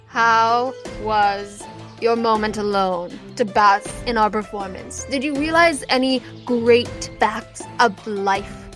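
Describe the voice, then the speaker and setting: A woman's voice: fairly high pitch, slow, a bit bright, faint music behind. A woman voicing a pompous, boastful male fantasy performer in a tabletop game, with theatrical delivery. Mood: grandly jovial.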